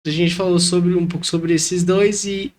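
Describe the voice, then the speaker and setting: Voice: mid-range voice, steady tone, measured pace, darkish tone. A podcast host who prompts a guest with brief questions and short reactions.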